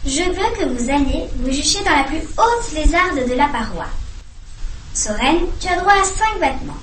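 A woman's voice: high-pitched, lively intonation, normal speed, fairly bright tone. A woman voicing a firm but kindly old male owl teacher in a storybook reading, giving encouraging instructions. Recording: roomy echo, distant mic, faint hum.

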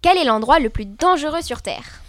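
A young woman co-hosting a scripted debate show, expressive and playfully indignant. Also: high-pitched, normal speed, dry recording. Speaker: co-host.

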